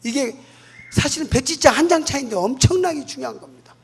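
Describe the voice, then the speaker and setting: A man with a strikingly high voice delivers an evangelistic sermon in a church. He preaches with emphasis, rising and pressing key points, and slips into acted dialogue when telling stories. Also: animated, fast, creaky. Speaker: pastor.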